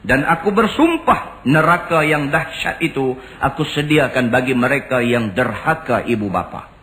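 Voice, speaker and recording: A male preacher, chanting Arabic phrases slowly and emphatically before moving into plain storytelling. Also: mid-range voice, animated, bright, forceful tone, rough recording. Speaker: religious preacher. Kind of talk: sermon.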